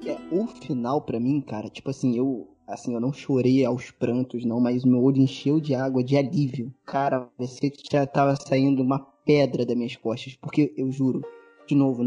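A man hosting a podcast, with a mellow, husky voice and a hesitant delivery full of stammering restarts. The audio is a bit dull and lo-fi, with faint music underneath. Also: mid-range voice. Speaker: podcast host. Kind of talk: casual chat.

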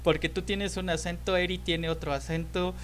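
A man's voice: high-pitched, normal speed, slight background noise. Joking Mexican man hosting a podcast. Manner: joking, laughs often, bursts into loud excited exclamations. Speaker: podcast host. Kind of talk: casual chat.

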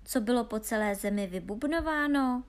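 A woman's voice: on the high side, lively intonation, lightly acted. A woman reading aloud and voicing two scornful, learned brothers who mock their younger sibling. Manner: mocking, sneering.

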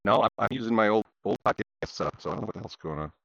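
A man on a podcast whose voice comes through a crackly, distorted online call connection, chatting casually and telling stories in an animated way. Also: fairly low pitch, rapid-fire, gravelly, no room sound, highs cut off. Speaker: podcast co-host.

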